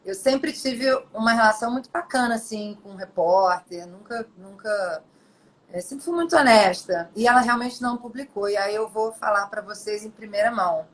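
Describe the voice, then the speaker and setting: A middle-aged actress chatting as an interview guest, telling her stories in an animated, expressive way. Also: mid-range voice, moderate pace, a little hiss or hum, poor audio. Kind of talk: casual storytelling interview.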